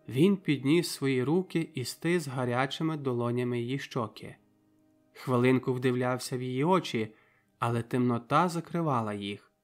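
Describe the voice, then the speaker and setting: A man reading a novel aloud as an audiobook narrator, in a measured, even way. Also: medium pitch. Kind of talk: scripted narration.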